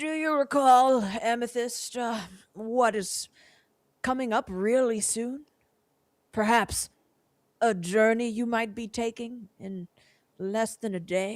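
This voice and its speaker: Putting on a raspy character voice at a fairly high pitch, a woman speaks at a fairly slow pace with long, frequent pauses. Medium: actual play. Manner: droning, good-natured.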